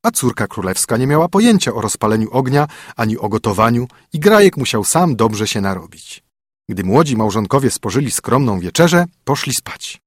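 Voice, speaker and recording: Husky man reading a fairy tale. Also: mid-range voice, no echo, clean studio sound. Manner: measured, steady storytelling. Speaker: narrator.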